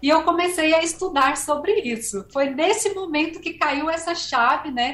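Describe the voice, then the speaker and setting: The woman's pitch is extremely high. She speaks with hardly any pauses. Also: ordinary pitch variation, fairly slow pace. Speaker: pharmacist. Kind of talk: radio interview, explaining. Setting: radio studio.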